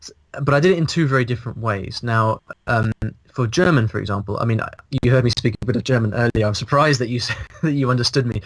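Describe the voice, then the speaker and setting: A man in his thirties, a guest on a video call, talking in a casual, animated way and restarting his sentences as he thinks aloud. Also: mid-range voice, fast talker, dry recording, poor audio. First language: English. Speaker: guest, language blogger. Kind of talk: casual interview. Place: small room indoors. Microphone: video call, earphones, mic in front.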